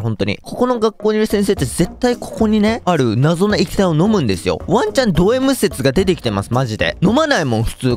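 Excitable young man playing a game. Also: fairly high pitch. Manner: excitable, jokey, talks to viewers. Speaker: gaming YouTuber. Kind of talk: game commentary.

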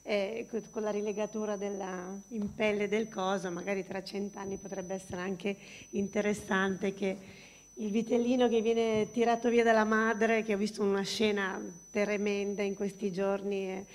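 Female panellist, gravelly, fairly even pitch, halting conversational delivery, faint noise in the hall. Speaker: panel speaker. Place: stage of a museum auditorium. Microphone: handheld microphone. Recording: noisy hall with hum.

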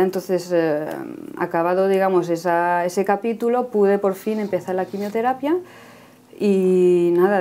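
A woman in her thirties shares her personal faith testimony as a guest in earnest conversation, often closing phrases with a questioning "no?". Her voice is mid-range and mellow.

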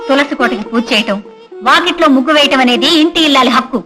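A woman playing a sharp-tongued mother-in-law. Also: high-pitched, fast talker, music in the background, close to an everyday voice. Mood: defiant. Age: middle-aged. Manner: sharp, defiant. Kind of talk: 1980s Telugu film acting.

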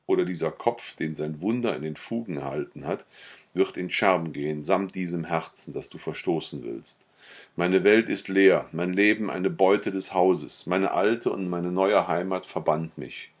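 A man's voice: sits low, moderate pace. A man voicing Filippo, a desperate, lovesick nobleman pleading in a read-aloud novella. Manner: pleading, impassioned.

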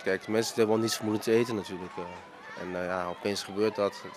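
Halting, low-voiced man in his thirties. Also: fairly even intonation, noisy background. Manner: halting, many fillers and restarts. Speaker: restaurant owner. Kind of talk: news interview. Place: inside a restaurant dining room. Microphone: handheld reporter mic.

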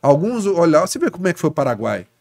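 This Brazilian man talks fast in a fairly high, creaky voice, recorded dry. As a sports journalist on a laid-back podcast, he's an animated storyteller, frequently adding asides like "né, cara" to his sentences.

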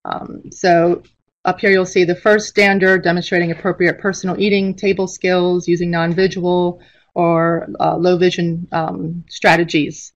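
A woman's voice: on the low side, little pitch movement, unhurried, highs cut off. A middle-aged woman giving an informal instructional presentation as a teacher, speaking over a video call. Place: indoor room, on a webcam video call.

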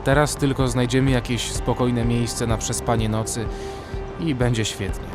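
A man's voice: mid-range voice, fairly even intonation, normal speed, close to an everyday voice. A man playing a weary armed survivor who narrates a horror audio drama in the first person. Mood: grim, measured. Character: weary male armed survivor narrating a frozen zombie apocalypse. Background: music bed.

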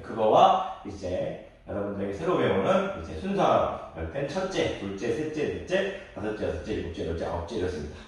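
Lively man teaching math in echoey room. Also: lowish voice, far from the mic. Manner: calls himself 선생님, counts aloud slowly while drawing. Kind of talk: online math lesson for young children.

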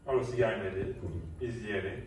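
A man's voice: on the low side, fairly even intonation, normal speed, over loud music. Distant man giving studio direction. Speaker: dubbing director. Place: small studio control room. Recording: roomy, distant, noisy studio room.

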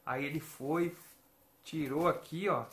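A man's voice: fairly high pitch, takes it slowly, a bit bright, roomy sound, a little hiss or hum. A man in his thirties with a Brazilian Portuguese accent, chatting to camera as a retro gaming vlogger and telling stories with many tag questions. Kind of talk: casual chat to camera. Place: home room with shelves of games and toys.

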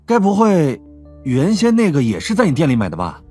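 Casting: male actor for a laconic, cool cop in a radio play, rough-edged voice, music bed. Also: fairly high pitch, wildly swooping pitch, brisk, mellow, heavily acted. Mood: casual, probing. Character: cool, terse male police detective. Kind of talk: audio drama dialogue.

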